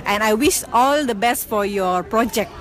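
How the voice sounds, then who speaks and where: A woman's voice: fairly high pitch, unhurried. A woman from Indonesia, a convention attendee speaking passionately with hesitant fillers.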